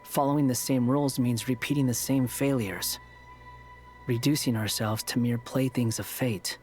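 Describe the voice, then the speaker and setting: A man's voice: mid-range voice, steady tone, normal speed, a little mellow, faint music behind, close to an everyday voice. An actor voicing a blunt, skeptical male companion in a game, challenging and direct. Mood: stern.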